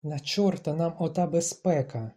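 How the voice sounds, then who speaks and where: A stubborn, proud young woman from a read-aloud novel, given voice by the narrator, flinging out clipped, emphatic lines. The tone stays very dark and mellow, with a husky, breathy grain. She sounds set on her own way. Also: medium pitch, moderate pace, lightly acted. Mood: angry. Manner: clipped, emphatic, rising to shouts.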